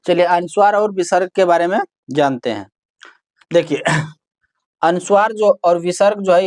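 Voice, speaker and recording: A woman's voice: lowish voice, darkish tone, no echo, clean studio sound. A woman teaching a grammar lesson, asking her students questions and then answering them herself while repeating the key terms.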